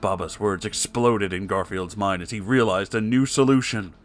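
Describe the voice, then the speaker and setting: A man's voice: on the low side, normal speed, soft background music. A man narrating a comic fan story in a theatrical, mock-serious dramatic reading. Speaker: story reader.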